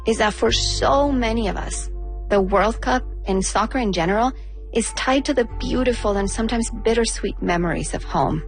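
A woman's voice: on the high side, moderate pace, soft background music. A woman narrating a scripted radio feature in a reflective, personal storytelling manner. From United States.

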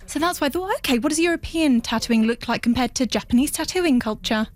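A woman voicing a guest's answers as a sign language interpreter in a radio studio, measured and pausing. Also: sits high, expressive. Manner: measured, with pauses and restarts.

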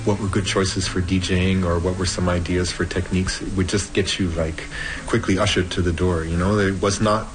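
A middle-aged man, a course instructor, giving thoughtful, measured interview answers with "you know" tags. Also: low-pitched, little pitch movement, background noise.

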